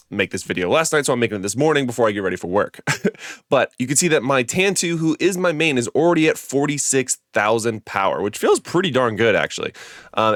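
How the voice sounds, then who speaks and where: A man's voice: on the low side, fairly bright tone, no room sound. A man with a stuffy, congested nose, giving a chatty, rambling game guide full of fillers and self-corrections. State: congested, nasal from a cold. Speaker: gaming video creator. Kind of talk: casual game guide commentary.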